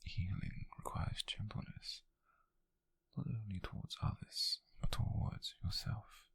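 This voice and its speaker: A British man playing a gentle, teasing witch mentor in an ASMR roleplay, speaking in a breathy, hushed half-whisper with soothing, intimate phrasing. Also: on the low side, fairly even intonation, no room sound, full character voice. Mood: soft, reflective. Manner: soothing, intimate, unhurried, softly formal phrasing. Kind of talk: ASMR roleplay addressed to the listener.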